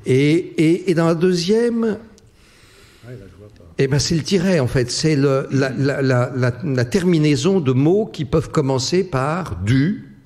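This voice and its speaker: A man's voice: fairly high pitch, takes it slowly, darkish tone. A man posing word riddles to a live audience, reading clue words one at a time and bantering with the crowd between puzzles. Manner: reads clue words one by one, then chats and teases the audience.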